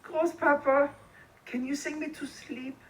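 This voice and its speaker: A woman plays a timid, pleading little grandchild in a comedy skit. The voice is high and sits far from the mic in a clearly noisy recording. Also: steady tone, unhurried. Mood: hesitant, pleading. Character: timid young grandchild asking grandpa for a lullaby. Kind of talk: comedy sketch dialogue. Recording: distant, noisy sketch clip.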